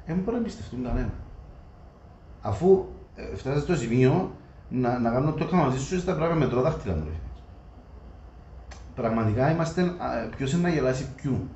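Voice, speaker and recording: A man's voice: medium pitch, expressive, pauses often, dark tone. Cypriot greek guy chatting casually, very colloquial, roomy echo, slightly dull audio. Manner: colloquial, acts out imagined customer dialogue. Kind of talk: animated casual discussion. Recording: echoey room, muffled, faint noise.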